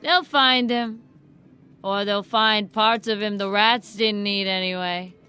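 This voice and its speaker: Flippant folksy woman, blunt n irreverent, real slow talker, sharp bright voice, audio drama. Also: medium pitch, steady tone, clear, resonant tone, soft background music. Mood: callous, amused. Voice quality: folksy, colloquial speech. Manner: blunt, offhand, morbid. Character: flippant, irreverent woman, former employee of shady company. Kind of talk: audio drama acting as interview guest.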